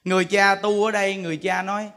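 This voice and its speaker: A man giving a Buddhist sermon, telling stories in an animated way and acting out the voices of the people he quotes. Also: sits high, quick pace. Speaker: Buddhist monk teacher.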